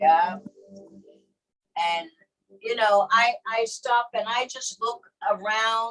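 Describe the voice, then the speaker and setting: Over music in the background, a woman speaks at a very slow pace with long, frequent pauses, her fairly high pitch showing ordinary variation. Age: 70s. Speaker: chair workout instructor. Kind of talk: casual chat.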